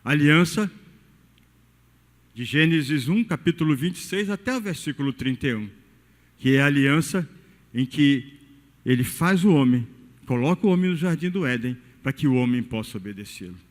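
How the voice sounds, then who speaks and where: High-voiced preacher in a reverberant cathedral. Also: male voice, lively intonation, normal speed, long pauses. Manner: preaching, sweeping pitch swings, rhetorical questions. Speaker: pastor. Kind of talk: sermon. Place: cathedral during evening service. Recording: long reverb of a large church hall.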